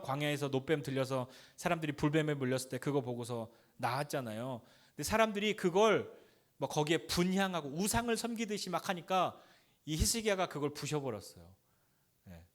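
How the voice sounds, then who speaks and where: A man pastor giving a conversational sermon, asking the congregation questions and acting out blunt, taunting quotes. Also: a little high.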